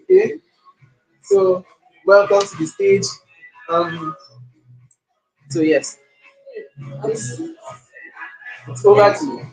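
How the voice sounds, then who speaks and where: A man runs a public speaking workshop, his voice pitched high and swinging widely as he repeats lines to rouse the crowd. The sound bounces around an echoey room, with faint music underneath. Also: very slow, creaky, pauses often. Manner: animated, repeats phrases, hypes the audience. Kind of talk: live workshop coaching.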